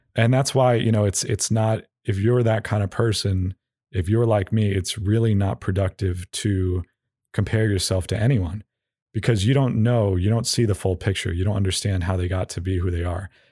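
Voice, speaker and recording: In a very clean recording with a silent background, a man with a fairly low pitch and a dark, mellow tone speaks at a moderate pace and sounds somewhat breathy. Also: fairly even intonation, dry, close sound with no echo. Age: 20s. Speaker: podcast host. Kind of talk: solo monologue. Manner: stutters, many filler words.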